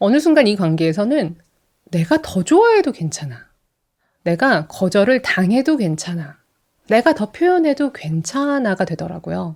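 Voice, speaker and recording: Her medium pitch swings very widely as the woman speaks in a very clean recording with a silent background. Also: moderate pace. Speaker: talk show host. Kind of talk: casual conversation.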